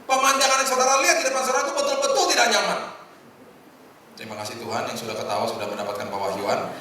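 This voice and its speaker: A middle-aged male pastor giving a lively, humorous sermon and acting out the lines he quotes. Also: very high voice, rapid-fire, a little hiss or hum. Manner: animated, humorous preaching with acted-out quotes. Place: hotel function hall. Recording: echoey hall from far off.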